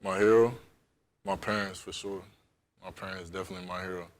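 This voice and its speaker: A young man being interviewed as a college football guest, answering in a relaxed, polite way with plenty of "like" fillers. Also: low-pitched, a little fast. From Japan. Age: young adult.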